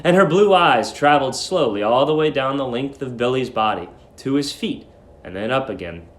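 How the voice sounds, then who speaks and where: A man's voice: medium pitch, lively intonation, normal speed, fairly bright tone, reverberant. A man narrating a short story as a dramatic reading.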